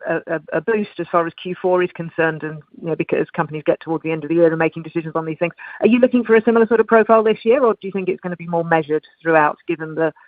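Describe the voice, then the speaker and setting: A woman's voice: lowish voice, rapid-fire, no echo. A woman, an analyst asking questions conversationally on a call. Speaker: financial analyst. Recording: tinny, narrow phone line.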